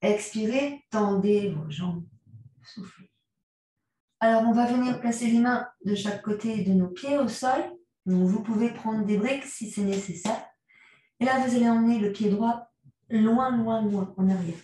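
A woman guiding a yoga class, giving calm, unhurried cues timed to the breath. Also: on the high side, slight background noise. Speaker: yoga teacher. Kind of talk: guided yoga class instruction. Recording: very echoey room, mic far off.

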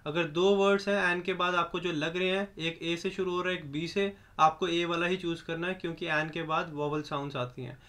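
A young man with a high, bright voice teaches grammar rules step by step. He explains in Hindi and reads each English example sentence slowly, word by word, as a patient instructor. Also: steady tone. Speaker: language teacher. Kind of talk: explanatory lesson.

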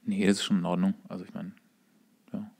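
A man's voice: deep voice, level tone, brisk, creaky, a little mellow, husky. A man co-hosting a casual chat podcast, telling anecdotes in a wry way with dramatic build-up. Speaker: podcast co-host.

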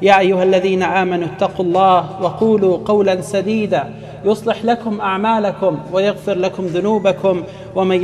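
A man in his thirties with an Arabic accent preaches as an imam, emphatic and halting, repeating words as he goes. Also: high voice, a little mellow. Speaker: imam giving a Friday sermon. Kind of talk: sermon with Arabic recitation and English explanation. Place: mosque, speaking from a wooden pulpit.

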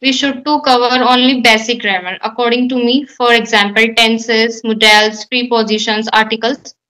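On a video call, a young Indian woman whose first languages are Hindi and Marwari practices English as a guest learner, answering questions thoughtfully and carefully with frequent light laughs. Her Indian-accented voice is fairly high, bright, and forceful, with fairly even intonation and a moderate pace. The webcam recording from a room at home is low quality.

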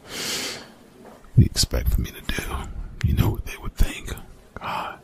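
A man playing a young college bully in an ASMR roleplay, gruff, defensive and grudgingly apologetic, in hushed, breathy, exasperated slang with swearing. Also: unhurried, lightly acted. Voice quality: whispered, breathy, gravelly low voice.

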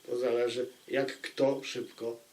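Slow, deliberate man reviewing a book. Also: medium pitch, level tone, darkish tone. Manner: deliberate, with dramatic pauses and repetition for emphasis. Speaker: book review channel host. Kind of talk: informal spoken book review to viewers.

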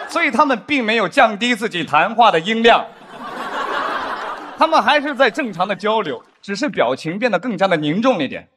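A young adult man performing a stand-up comedy set on a studio stage, animated, now and then acting out stiff drama lines in a lower voice. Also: a little hiss or hum. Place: studio stage with live audience. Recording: studio stage with audience laughter. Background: audience laughter.

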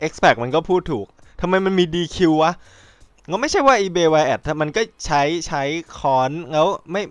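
A man hosting a podcast in casual chat, rambling and excitable, swearing freely and acting out quotes. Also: on the high side, no room sound. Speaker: podcast host.

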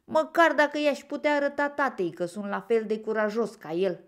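Storybook fawn: small timid boy, high and eager, read by a woman. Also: fairly even intonation, clear, resonant tone, lightly acted. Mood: pleading. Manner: pleading, eager questions. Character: young male fawn, timid and hopeful.

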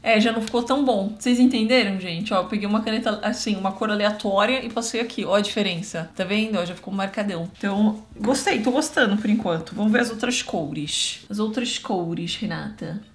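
A woman's voice: mid-range voice, fast, hardly any pauses. Chatty woman demoing art markers. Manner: chatty, talks to viewers while drawing. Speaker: art youtuber testing markers. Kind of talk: casual close-up art demo.

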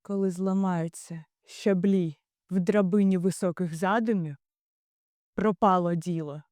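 A young woman playing a wise, stern male Greek commander in a theatrical Shakespeare monologue, declaiming in deliberate, rhetorical phrases. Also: lowish voice, steady tone, a little mellow, no room sound, clean studio sound, close to an everyday voice. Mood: urgent, impassioned. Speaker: drama student.

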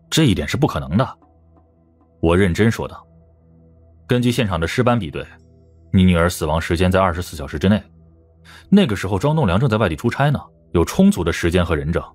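A man's voice: deep voice, big pitch swings, fairly quick, pauses often, soft background music. A man narrating a crime audiobook in a scripted, dramatic storytelling style.

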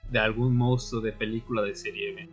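A man's voice: on the low side, flat delivery, fairly quick, faint music behind, natural voice. A man playing a weary but insistent fledgling vampire in a radio drama, dramatic and searching in his delivery. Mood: brooding narration. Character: young male vampire seeker, weary and insistent. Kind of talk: radio drama acting with narration.

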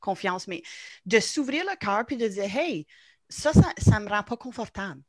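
A woman's voice: medium pitch, sing-song, normal speed, a little mellow, no echo. Franco-Ontarian woman, reflective panel talk, dry close sound, over a video call, mid-range voice. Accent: Franco-Ontarian French. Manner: reflective, mixes in English words. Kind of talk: casual video-call discussion.

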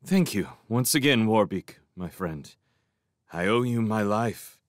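A man's voice: lowish voice, lively intonation, unhurried, no echo. A man portrays a young mouse hero from a storybook. He speaks with brave, earnest politeness. His phrasing is formal and courtly, and the sound is close and dry. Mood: grateful.

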